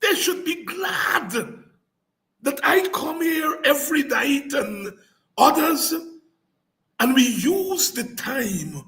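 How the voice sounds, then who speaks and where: A middle-aged man giving an impassioned political address, repeating phrases and rising into shouts. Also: very high voice, big pitch swings, slow, pauses often, low-quality recording. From Guyana. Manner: fiery, declamatory, repeats phrases for emphasis, breaks into shouts. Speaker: podcast host and political speaker.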